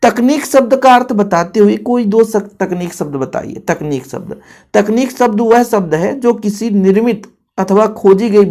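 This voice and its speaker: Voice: mid-range voice, a little mellow. A teacher giving a casual exam-prep grammar lesson. The teacher talks straight to the students and repeats key points for emphasis.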